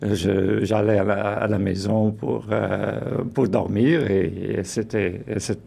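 Man, deep gravelly voice, halting, studio guest. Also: fairly even intonation, dark tone. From Mozambique. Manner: halting, searching for words. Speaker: guest artist. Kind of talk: radio interview. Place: radio studio.

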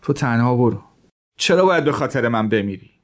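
A man's voice: mid-range voice, expressive, close to an everyday voice. A man voicing a weak, timid officer who whines and pleads. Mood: resigned. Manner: whining, pleading. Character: weak, timid, complaining male Russian officer.

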